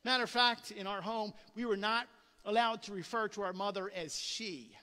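A man's voice: sits high, normal speed, pushed and bright, big-room sound. A male pastor giving a conversational sermon, often repeating words and acting out quoted voices. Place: church sanctuary.

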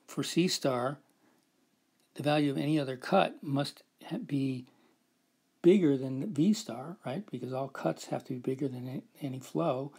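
A man's voice: mid-range voice, mellow, breathy edge. A man giving a recorded whiteboard lecture, explaining a math proof step by step and often checking in with "right?".

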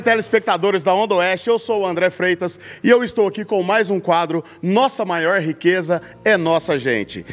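A man's voice: sits high, big-room sound. A man in his forties from hosting an interview for a radio station, effusive and full of praise for his guest. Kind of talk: friendly hosting and questions.

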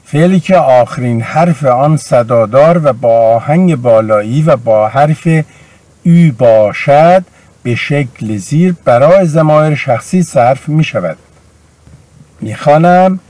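A man at a mid pitch gives a grammar lesson. He paces each verb form slowly and deliberately, and the recording is dry and close with no room sound. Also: expressive, dark tone, no echo. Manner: slow, deliberate drilling of verb forms. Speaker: language teacher.

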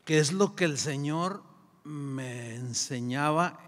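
A man with a Mexican accent preaching a sermon, telling a story with lively acted-out dialogue. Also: fairly high pitch, slow. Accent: Mexican Spanish. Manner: animated storyteller, acts out dialogue. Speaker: pastor. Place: church sanctuary. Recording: long church hall reverb.

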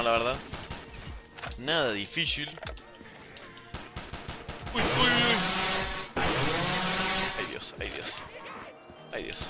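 A man streaming a zombies game live, talking to his chat, thanking donors and yelping in alarm when things go wrong. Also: mid-range voice. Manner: excitable, yelps and repeated cries of alarm; chatty with viewers, thanks donors. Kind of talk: live gameplay commentary, reading chat.

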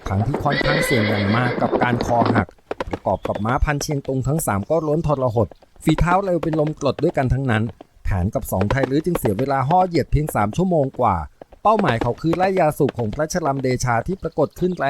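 Expressive male storyteller, lively voice. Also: medium pitch, background noise. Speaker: narrator. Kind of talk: audiobook novel reading.

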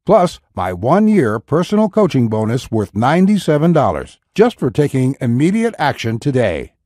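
A man reading a scripted, pushy sales pitch as a voice-over. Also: dark tone, no echo, studio quality. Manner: pushy, urgent salesman delivery.

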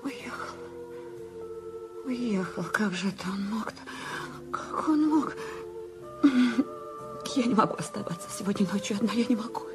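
A woman's voice: medium pitch, expressive, normal speed, long pauses, natural voice. An actress playing a bedridden wealthy woman, panicky and insistent, pleading on the telephone in a radio play. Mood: distraught. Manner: panicky, insistent, breaking into whispers. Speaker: Mrs. Stevenson. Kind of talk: 1970s radio play acting. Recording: radio play with background music.

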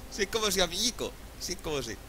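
A young man from Spain with a Spanish accent, commentating his own game excitedly, swearing and laughing often. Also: high-pitched, quick pace, noisy background. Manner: excitable, profane, laughs often, calls viewers "sobrinillos". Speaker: gaming YouTuber.

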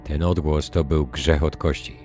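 Man playing a deep, grim Puritan adventurer. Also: fairly even intonation, a little slow, a little mellow, faint music behind. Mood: grim, contained. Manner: gloomy, restrained fury. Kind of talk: dramatized audiobook acting.

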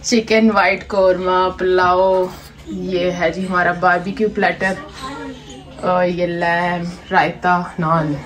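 A woman's voice: fairly low pitch, flat delivery, slow pace. A woman in her thirties narrating a family vlog at home, chatty and casual, mixing in English phrases. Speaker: family vlogger.

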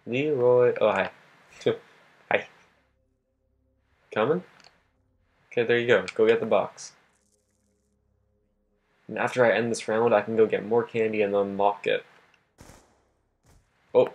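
A young man with a husky, worn voice that he is losing, giving casual gameplay commentary, swearing and talking to himself. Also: on the low side, takes it slowly, long pauses. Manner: swears a lot, laughs often, talks to himself. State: losing his voice. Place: home at night.

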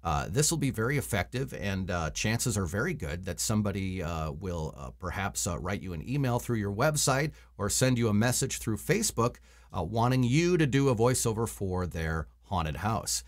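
A man's voice: lowish voice, expressive, normal speed. A man in his forties talking to camera in a casual, explanatory way, like a voice-over coach giving tips from a small room at home. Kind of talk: casual instructional vlog to camera.

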